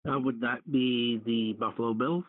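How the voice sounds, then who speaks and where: A man's voice: medium pitch, fairly even intonation, moderate pace, dry recording. A man taking part in a quiz, guessing casually and hesitantly over a tinny radio line. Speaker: quiz contestant.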